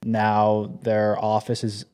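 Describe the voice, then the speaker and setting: A young man who co-hosts a podcast, telling rambling anecdotes in a relaxed, casual way. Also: lowish voice, slow, smooth. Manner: laid-back, rambling anecdotes. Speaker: podcast co-host. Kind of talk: casual chat.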